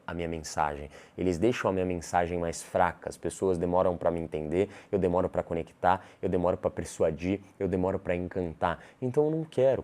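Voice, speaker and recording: A man's voice: sits low, darkish tone. A man with a Brazilian accent coaching on communication in a firm, emphatic and blunt manner, swearing casually. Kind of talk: monologue.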